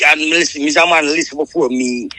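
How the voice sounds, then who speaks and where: A man's voice: a little high, a little fast, pushed and bright, no echo. A man in his fifties with a Jamaican accent, talking casually as a guest in a phone interview. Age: 50s.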